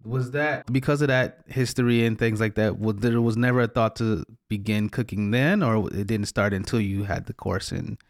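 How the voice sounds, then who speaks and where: Low-voiced male podcast host, dry sound. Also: moderate pace, few pauses, no room sound. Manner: encouraging, frequent backchannel murmurs. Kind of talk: casual interview.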